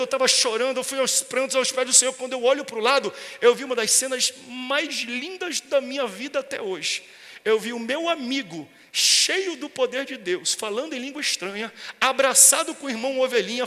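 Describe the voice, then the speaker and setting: A man's voice: very high voice, sharp tone, in a large hall. A man with a Brazilian Portuguese accent, a pastor telling a story and preaching a sermon that builds to impassioned peaks. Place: large church hall.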